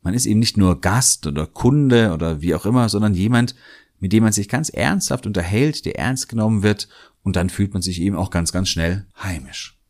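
Deep-voiced German man musing aloud. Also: moderate pace, a little mellow. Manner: thoughtful, musing, hedges and repeats words. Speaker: podcast host. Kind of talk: reflective solo podcast monologue.

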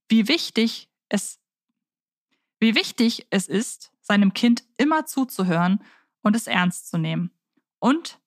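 A woman's voice: on the high side, no echo, clean studio sound. A woman hosting a podcast, talking casually and reading aloud in a conversational presenter's way. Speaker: podcast host.

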